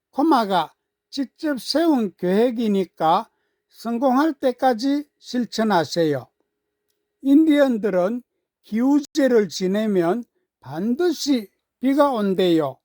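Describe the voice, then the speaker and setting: A woman voicing a bright, curious young girl in a children's story, playful and eager as she teases and cheers on her mom. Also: a little high, dry recording, clean studio sound.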